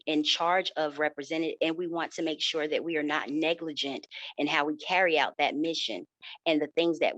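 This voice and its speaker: Woman, low voice, formal and measured, dry muffled recording. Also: no room sound. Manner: formal, measured, repetitive phrasing. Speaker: board candidate. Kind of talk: candidate Q&A answers.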